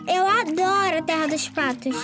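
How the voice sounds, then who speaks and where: Bubbly little piglet girl, very high, bouncy cartoon voice. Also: unhurried, over music. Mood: cheerful. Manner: bubbly, excited, giggly. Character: cheerful little girl pig. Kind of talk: Brazilian Portuguese cartoon dub.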